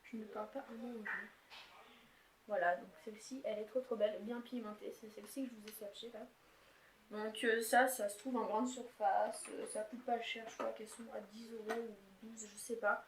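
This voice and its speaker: A young woman with a fairly high voice chats about her makeup palettes, rambling and casual, full of little fillers. She is recorded on a camera's own mic in an echoey room with a faint hiss behind her. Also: fairly even intonation, moderate pace. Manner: chatty, rambling, filler-heavy. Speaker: beauty vlogger. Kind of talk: casual makeup haul chat. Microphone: camera's built-in mic.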